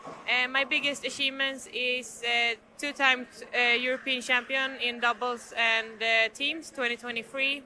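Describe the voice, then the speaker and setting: A young female athlete from Sweden lists her titles. Her voice is very bright and slightly high. She speaks on a flat line. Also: measured pace, a little hiss or hum. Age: 20s. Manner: listing achievements, fillers. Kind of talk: recorded self-introduction.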